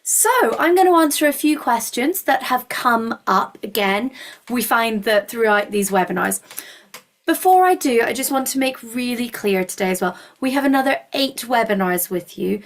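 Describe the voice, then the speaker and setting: A woman's voice: a little high, animated, normal speed. A woman with a Scottish accent hosting a university webinar, explaining things informally in a reassuring, encouraging way. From Scotland.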